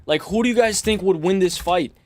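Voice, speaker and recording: High-voiced man hosting a casual livestream. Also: a little mellow. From Spain. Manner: loose and rambling, talks to chat, quick asides. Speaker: livestream host. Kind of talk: casual live stream chat.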